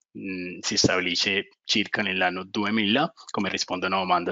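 A man with a very deep, low pitch speaks with a non-native accent. He keeps a moderate pace. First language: not Italian (speaking Italian). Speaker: geotechnical and tunnel engineer. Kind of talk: webinar presentation. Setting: online webinar. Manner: halting, many hesitations.

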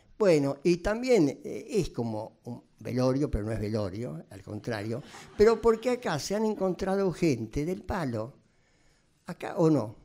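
Big swings in loudness and very wide pitch swings mark this dark, mellow voice. The delivery comes at a fairly slow pace. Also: man, fairly high pitch for a man. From Argentina, Buenos Aires. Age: 80s+. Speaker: psychotherapist. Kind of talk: casual chat. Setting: stage with audience.

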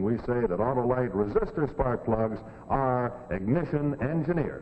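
Pitch swings very widely at a moderate pace over noticeable background noise. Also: man. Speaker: radio announcer. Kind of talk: radio commercial announcer. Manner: polished, salesy.

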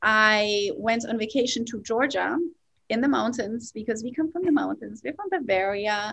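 A woman speaks with a German accent at a fairly slow pace. The background is quiet. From Germany. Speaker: real estate agent; podcast guest. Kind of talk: interview. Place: home room. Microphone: video call.

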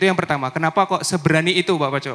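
This man has a fairly high voice with ordinary pitch variation. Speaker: university student; audience member. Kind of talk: audience question. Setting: stage with audience. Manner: halting. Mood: polite, respectful. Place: hall. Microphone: handheld.

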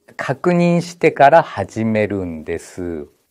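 A man speaks at a very slow pace, his pitch swinging very widely. The recording is very clean, with a silent background. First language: Korean (speaking Japanese). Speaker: history lecturer. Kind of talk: lecture.

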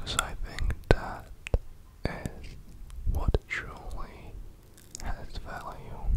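A man whispers at a very slow pace. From British. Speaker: ASMR creator. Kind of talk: ASMR talk to listener. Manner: whispered. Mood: gentle, encouraging. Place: home room. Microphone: studio mic.

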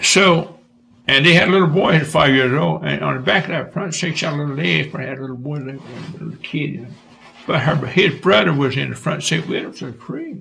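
Noticeable background noise sits behind a man with an American accent. He talks at a fairly quick pace, with a fairly high pitch and ordinary pitch variation. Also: big swings in loudness. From Harkers Island, North Carolina. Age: 80s+. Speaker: retired Coast Guard and lighthouse keeper. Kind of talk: oral history interview answer.

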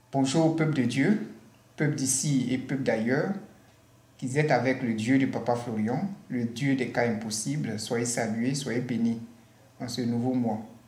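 Speaking at a fairly slow pace with long, frequent pauses, a man is heard with audible room echo. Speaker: ministry presenter. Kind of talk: religious talk show. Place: studio.

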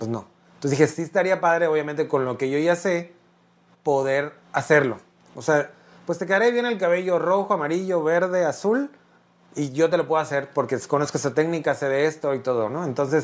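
A man's pitch is fairly high and varies in an ordinary way. He speaks fairly quickly. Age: 30s. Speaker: hair stylist; podcast guest. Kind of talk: casual chat. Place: studio. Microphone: lapel.

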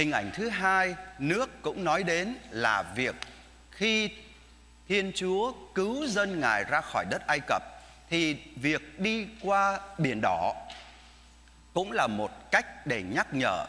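Very wide pitch swings mark a man's bright, sharp voice as he speaks very slowly with long, frequent pauses. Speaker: priest. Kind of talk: sermon. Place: church.

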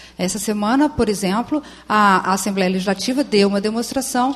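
A woman's pitch moves in an ordinary way. Her pace is moderate. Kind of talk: formal testimony. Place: hall. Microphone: handheld.

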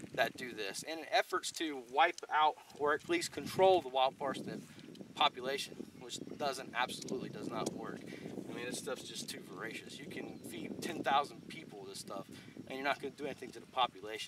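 Noticeable background noise sits behind a man's voice, which is recorded dry with no echo. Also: moderate pace. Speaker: outdoor skills instructor. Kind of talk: tutorial. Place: open country.

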